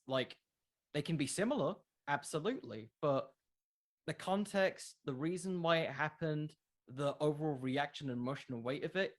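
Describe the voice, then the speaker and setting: A man who makes a podcast, answering in a casual interview, explaining his views with plenty of qualifiers. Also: fairly high pitch. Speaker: podcast creator being interviewed.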